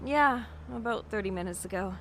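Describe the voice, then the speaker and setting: A woman's voice: medium pitch, expressive, brisk, slight background noise, close to an everyday voice. An actress playing a friendly, easygoing young bookish woman in a naturalistic audio drama, speaking casually. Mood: friendly, polite. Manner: casual, conversational.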